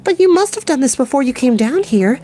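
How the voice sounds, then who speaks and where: A man reading a storybook, voicing an earnest, wistful young girl who is soft and hesitant. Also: very high-pitched, animated, a little fast, a little hiss or hum, pitched above the performer's own voice. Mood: amazed.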